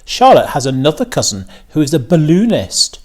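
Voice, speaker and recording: Man voicing an eager young girl, swooping pitch. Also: normal speed. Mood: insistent, eager. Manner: earnest, excited storytelling. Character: imaginative young farm girl, eager and stubborn.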